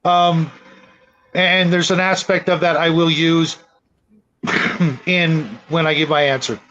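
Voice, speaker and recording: A man with a notably high voice hosts a casual discussion. He speaks conversationally as the moderator of the group. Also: level tone, slow, bright, forceful tone, highs cut off. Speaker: host, moderator.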